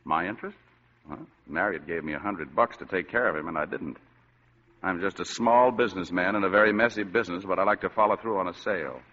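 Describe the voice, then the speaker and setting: An actor playing a world-weary, wisecracking private detective who also narrates, in a 1940s radio drama. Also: male voice, low voice, fast, pushed and bright. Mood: sardonic. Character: wisecracking hard-boiled private eye, weary man. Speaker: narrator of the story. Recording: dull lo-fi old radio broadcast.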